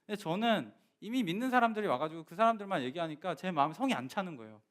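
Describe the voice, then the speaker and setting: A young man in his twenties preaching a sermon, telling a personal story in an animated, conversational way and addressing the congregation directly. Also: sits high, very fast. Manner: animated storytelling, voice rising and dropping for emphasis.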